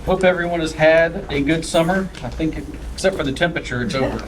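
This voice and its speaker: A man with a fairly high-pitched voice talks fast over background noise as he chairs a public meeting. As committee chair leading the agenda, he's folksy during small talk but pointed when questioning.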